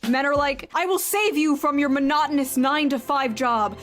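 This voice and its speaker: A woman's voice: sits high, normal speed, fairly bright tone. A woman commentator delivering scripted opinion commentary in a blunt, sarcastic way. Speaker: video commentator. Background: background music.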